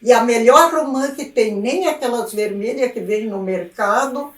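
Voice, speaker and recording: A woman in her seventies with a rural southern Brazilian accent, reminiscing in an unhurried way in an oral history interview. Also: fairly high pitch, a bit bright. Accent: southern Brazilian Portuguese, rural Rio Grande do Sul. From rural Rio Grande do Sul, southern Brazil. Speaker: retired teacher interviewed about local history. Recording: roomy echo, distant microphone.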